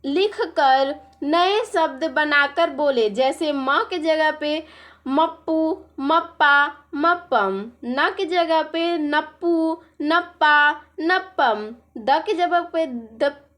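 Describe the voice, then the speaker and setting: A woman's voice: high voice, a bit bright. A woman teaching a primary-school lesson, explaining patiently step by step and often checking in with the class.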